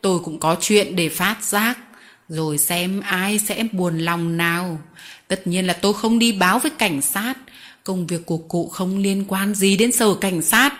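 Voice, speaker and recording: Give me a sly, cruel man who runs a gang of children, his voice all sugar over menace, as a woman narrator puts him on. He coaxes and mocks in a smooth, mid-pitched voice, leaning loud and pushy when he threatens. It's a storybook reading. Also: measured pace, natural voice. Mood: menacing. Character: sly cruel male child-labor boss, honeyed.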